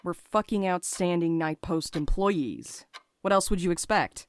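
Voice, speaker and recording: A woman's voice: lowish voice, a little slow, no room sound, clean studio sound, natural voice. A woman playing a combative, sarcastic courier with a short fuse in an audio drama, blunt and biting in manner.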